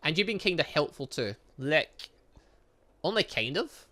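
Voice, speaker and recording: A man with a fairly high, bright voice reads visual novel lines aloud for a gaming video. His pitch moves around a lot as he goes. He drops in casual, playful asides and often stumbles on a word before fixing it. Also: a little slow. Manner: stumbles over words and corrects himself; animated, exclaims and reacts playfully.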